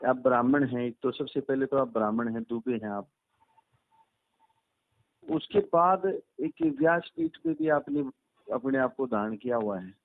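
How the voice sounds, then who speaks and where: A man's voice: mid-range voice, sing-song, a little slow, gravelly, pauses often. A man who is a Hindu religious teacher, arguing over a phone call in an insistent, lecturing way and repeating himself. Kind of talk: argumentative phone conversation. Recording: tinny phone-line call recording.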